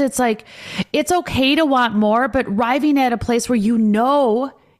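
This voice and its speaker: A woman with a Minnesotan accent and an animated tone. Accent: Minnesota. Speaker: financial advisor and author. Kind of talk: interview podcast.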